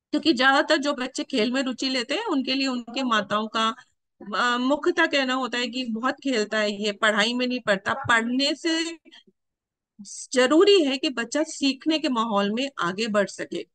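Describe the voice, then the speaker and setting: Woman, education trainer, earnest formal delivery, bright voice, dry close mic. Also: high-pitched, no echo. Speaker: education official addressing teachers.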